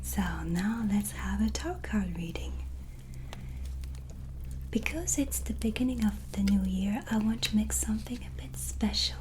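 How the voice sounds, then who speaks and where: A woman in a soft-spoken ASMR roleplay as a gentle white witch, with a breathy, whispery voice and a soothing manner. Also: mid-range voice, a little hiss or hum, poor audio. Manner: slow, gentle, soothing, with pauses. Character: gentle, calm white witch hostess reading tarot. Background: soft relaxing music.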